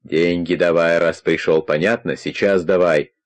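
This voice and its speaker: Man playing a hoarse, threatening drunk criminal. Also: deep voice, steady tone, moderate pace, close to an everyday voice. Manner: rough, contemptuous and threatening. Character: menacing drunk male criminal, gruff and threatening. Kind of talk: audiobook character voice.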